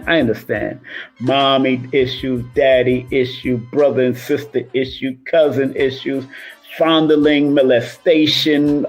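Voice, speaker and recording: A man talking casually and motivationally as a numerologist livestreaming, emphatic and repetitive, rolling his R's. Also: mid-range voice. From Cuban and Jamaican heritage. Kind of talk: casual motivational monologue to live viewers.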